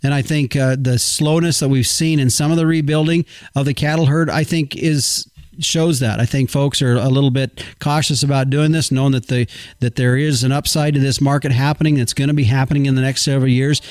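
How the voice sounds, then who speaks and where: A man's voice: medium pitch, steady tone, fairly quick, a little mellow, no echo. A man hosting a radio show in a conversational, folksy and informal way.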